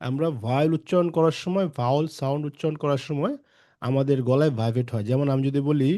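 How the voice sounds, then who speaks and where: A man's voice: mid-range voice, fast, mellow, no room sound, studio quality. A man teaching an English pronunciation class, explaining step by step, repeating example words and checking in with students. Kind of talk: online class lesson in Bengali with English terms.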